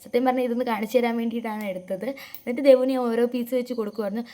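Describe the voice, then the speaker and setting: A woman's voice: on the high side, steady tone, rapid-fire, mellow. A woman vlogger with a Keralite accent, chatting in a rambling voice-over about her day and her little niece, often turning to the viewers. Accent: Keralite Malayalam. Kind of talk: voice-over narration of a family vlog. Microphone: close voice-over mic.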